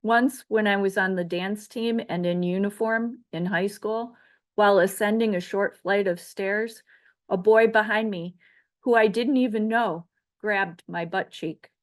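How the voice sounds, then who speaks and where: A middle-aged woman from the Chicago area, reading her own memoir essay aloud in a measured, reflective way. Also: medium pitch, fairly even intonation. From Chicago area, United States. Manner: measured, reflective delivery of a prepared text. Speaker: author.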